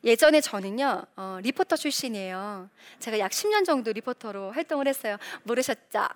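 Middle-aged woman speaker, animated faith talk, slightly high pitch, asks the audience questions. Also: brisk. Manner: animated, acts out quoted voices; frequent rhetorical questions. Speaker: Christian speaker, former reporter. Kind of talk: faith-based motivational talk.

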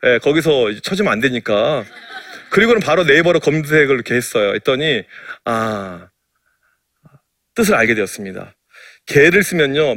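A middle-aged man preaches as a pastor, winding humorous anecdotes through his sermon. His voice sits fairly high for a man, and his delivery is playful and self-mocking. The recording is dry and close, with no room echo. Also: fairly bright tone.

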